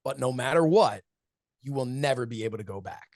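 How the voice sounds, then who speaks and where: A man in his forties with a gravelly, textured voice answers interview questions earnestly and reflectively. He tells stories, acts out what friends once said to him, and laughs often, recorded close and dry with no room sound. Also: medium pitch, lively intonation, fairly quick, darkish tone, dry recording. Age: 40s. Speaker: wrestling commentator and show host, interview guest.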